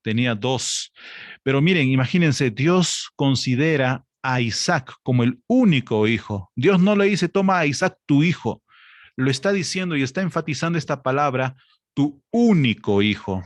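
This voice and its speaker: A man preaching a sermon, speaking to the congregation as brothers and sisters, reading scripture slowly and building up to emphatic, raised passages. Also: mid-range voice, animated, dry recording, studio quality. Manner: reads scripture aloud with slow, stressed delivery.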